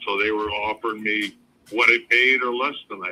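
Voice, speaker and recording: A man speaks with an Upper Midwest accent. His pace is moderate. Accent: Upper Midwest American (Michigan). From Flint, Michigan. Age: 70s. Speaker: property seller, house flipper. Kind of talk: phone sales call. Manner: halting, with frequent fillers.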